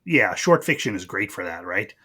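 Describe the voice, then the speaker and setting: Husky man with lively, varied pitch. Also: normal speed. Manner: informal, interjecting often. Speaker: podcast host. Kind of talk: casual conversational interviewing.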